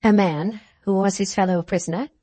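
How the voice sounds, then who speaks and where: A woman voicing an earnest grown son who pleads with his mother in a hushed, careful way. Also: medium pitch, fairly even intonation, moderate pace, dry recording, close to an everyday voice.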